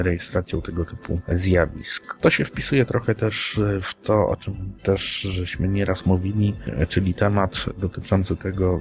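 A man co-hosting a podcast, talking through news conversationally with halting, hesitant phrasing. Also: low-pitched. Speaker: podcast co-host.

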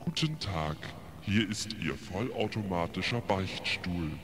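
A man with a low, deep voice reads out an answering machine greeting. His delivery is formal and deadpan, like an official announcement. Each sentence sounds neatly prepared. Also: a little slow, reverberant, long reverb tail, music in the background.

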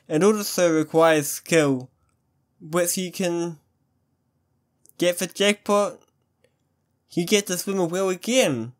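Unhurried, higher-voiced affectionate boyfriend, acted by a man. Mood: encouraging. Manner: doting, pet names, mock sports commentary. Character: affectionate, playful, excitable young boyfriend on a date. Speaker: audio roleplay performer. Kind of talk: ASMR boyfriend roleplay.

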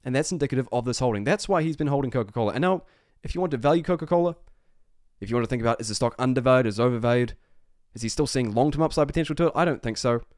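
This investing video host fires off unscripted stock analysis at a rapid clip, his mid-range voice carrying a darkish tone. He speaks emphatically, repeats phrases and poses rhetorical questions. The studio-quality recording has no echo.

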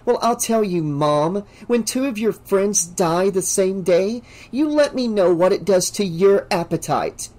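A woman's voice: takes it slowly, few pauses, a little mellow. A narrator putting on Kristen, a panicked drugged young woman. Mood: bitter. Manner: shrill screaming, then slurred. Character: exhausted, drugged young woman, frantic and defiant. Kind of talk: audiobook character voice.

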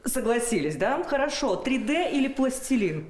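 A woman's voice: a little high, big pitch swings, normal speed, darkish tone. A woman in her thirties hosting a conversational studio interview on television. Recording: roomy studio sound.

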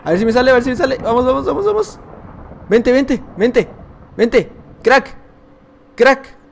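A young man with a Mexican accent giving excitable, chatty live gameplay commentary, repeating phrases and laughing often. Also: extremely high pitch, measured pace, a little hiss or hum. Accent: Mexican Spanish. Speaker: gaming YouTuber.

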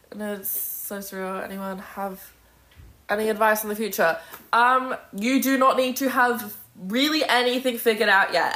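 A twenty-something woman with a mid-range, slightly bright voice chats casually on a livestream, firing back opinionated, profanity-laced answers to comments. She's indoors at home near a bookshelf, and her phone mic gives the sound a roomy echo.

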